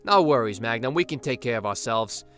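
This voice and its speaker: Man as a bright, cocky young brawler. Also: medium pitch, lively intonation, brisk, smooth, soft background music. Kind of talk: audio drama acting.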